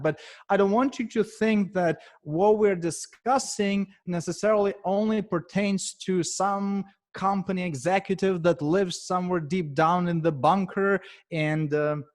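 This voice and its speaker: A man with a Ukrainian accent giving a presentation to a professional meetup as speaker and author, talking in a measured way with frequent pauses and filler sounds. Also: high voice.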